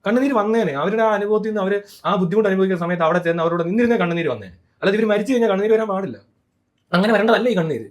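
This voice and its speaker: Fast, heated man ranting. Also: sits high, animated. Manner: blunt, heated, swears freely. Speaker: commentator. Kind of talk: ranting social commentary.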